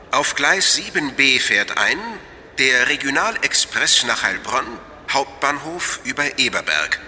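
A man playing a formal, measured German railway station announcer making scripted platform announcements. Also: medium pitch, pushed and bright, slight background noise, exaggerated voice. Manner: formal, clearly scripted, repeating details. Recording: long hall reverb.

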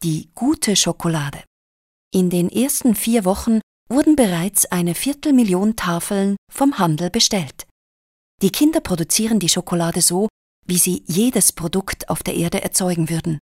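A woman's voice: on the low side, animated, moderate pace, darkish tone, dry recording, clean studio sound. A woman playing an upbeat radio magazine presenter, reading a scripted report articulately.

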